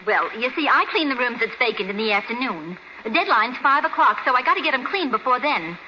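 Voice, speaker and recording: An actress playing a naive, nervous hotel chambermaid with folksy working-class diction, in 1940s radio drama style. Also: female voice, a little high, animated, fairly quick, close to an everyday voice. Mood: matter-of-fact. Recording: muffled, noisy 1940s radio recording.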